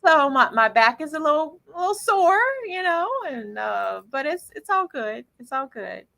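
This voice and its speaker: A woman's voice: sits high, lively intonation, vocal fry. A tired woman casually co-hosting a live stream, giggling and agreeing often. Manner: slow, warm-hearted, giggly, many affirming "yeah"s. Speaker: tarot channel co-host.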